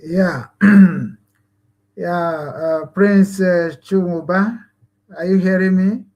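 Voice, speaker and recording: A man with a Nigerian Igbo accent, his first language Igbo, hosts an online talk show in a fairly high voice. He rambles earnestly, circling back with fillers and restarts as he lays out his points. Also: steady tone, extremely slow, lo-fi sound. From Nigeria, Igbo land. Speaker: host.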